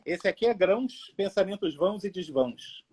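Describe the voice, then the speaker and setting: A man from Rio with a Carioca accent, an author talking about his books in a casual livestream interview, friendly and relaxed. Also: sits high, normal speed. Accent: Carioca Brazilian Portuguese. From Rio de Janeiro, Brazil. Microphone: phone livestream.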